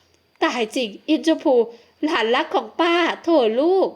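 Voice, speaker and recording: A woman's voice: on the high side, animated, brisk, a bit bright. Bossy, doting elderly noblewoman for an audiobook, voiced by a woman narrator, fussy scolding manner. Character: elderly aristocratic aunt, doting yet bossy. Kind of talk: audiobook character voice.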